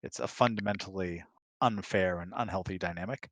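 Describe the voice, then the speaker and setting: A man chatting casually, explaining his views in a measured, reflective way. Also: sits low, fairly bright tone, dry recording. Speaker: guest, husband of the host. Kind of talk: casual chat.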